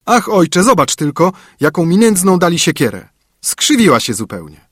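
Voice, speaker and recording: Man doing a young student voice, higher, eager, kinda husky, dry close read. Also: sing-song, moderate pace, a bit bright, no echo, heavily acted. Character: clever, calm young male student. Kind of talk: storybook reading.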